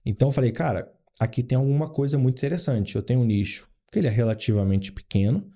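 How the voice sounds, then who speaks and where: A man's voice: mid-range voice, fast talker, warm tone. A man in his forties from Rio de Janeiro, a guest on an interview, telling business stories full of anecdotes and quoted dialogue. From Rio de Janeiro, Brazil. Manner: storytelling with anecdotes and acted-out quotes. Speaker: guest, board adviser and founder. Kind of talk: casual interview.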